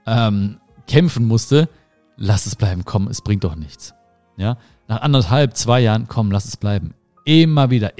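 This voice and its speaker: Earnest German man, emphatic motivational talk. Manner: earnest, emphatic, lively swings in pitch. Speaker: podcast host.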